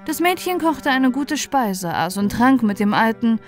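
A woman's voice: on the high side, sing-song, a little slow. A woman reading a scripted bedtime fairy tale as an audiobook narrator. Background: faint music.

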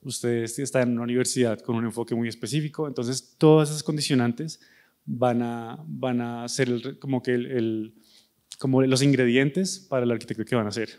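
A man's voice: mid-range voice, fairly even intonation, moderate pace, darkish tone. A young man from Bogotá with a Bogotá Colombian accent, an architect giving a conversational university talk on stage with a handheld microphone, addressing students directly. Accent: Bogotá Colombian Spanish. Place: large dark auditorium stage.

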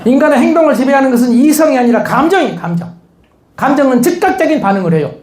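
A man giving a lively motivational lecture, teasing his audience with questions and jokes. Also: extremely high pitch, fast, slight background noise. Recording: echoey lecture hall.

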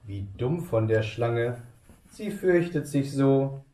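Man reading a children's story, very slow. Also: mid-range voice, lively intonation, mellow. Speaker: kindergarten teacher. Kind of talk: reading a picture book aloud. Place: kindergarten room. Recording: roomy echo.

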